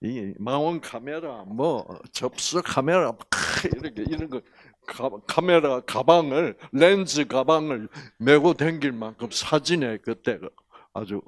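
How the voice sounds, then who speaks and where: An older man with a Gyeongsang Korean accent giving a health lecture, folksy and animated, full of rhetorical questions. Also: mid-range voice, unhurried. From Gyeongsang region, Korea.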